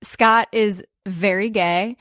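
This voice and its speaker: A woman's voice: medium pitch, fairly even intonation, takes it slowly, fairly bright tone, no room sound, clean studio sound. A woman chatting casually as a guest performer in a group interview, playful and given to giggling. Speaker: radio play performer, guest.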